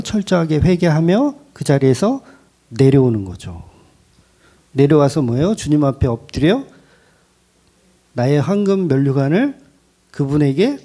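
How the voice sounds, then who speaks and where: A man preaching a sermon as pastor, in an animated way with rhetorical questions and emphatic repetition. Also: on the high side. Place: church.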